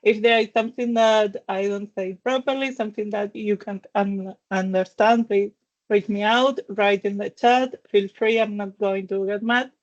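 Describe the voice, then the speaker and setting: A woman's voice: mid-range voice, fairly even intonation, normal speed, muffled recording. A woman from Argentina with an Argentine accent and Spanish as her first language, presenting to a webinar audience over a video call. She talks in careful non-native phrasing and laughs between points. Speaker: finance consultant presenter.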